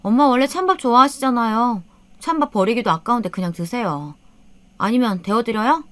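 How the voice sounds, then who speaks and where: A woman voicing a sharp-tongued young daughter-in-law who snaps and nags with contempt, in a storytelling recording. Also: a little high, lively intonation, a little fast, dry recording, pitched above the performer's own voice, natural voice. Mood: dismissive. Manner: snapping, nagging, contemptuous.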